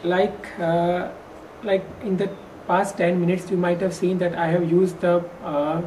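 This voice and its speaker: Woman interviewee, stammers on first syllables, hesitant, soft dark tone, mic set back from her. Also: lowish voice, level tone, a little slow. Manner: hesitant, many fillers and restarts. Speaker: stammering workshop participant. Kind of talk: interview answers. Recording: distant mic with faint background noise.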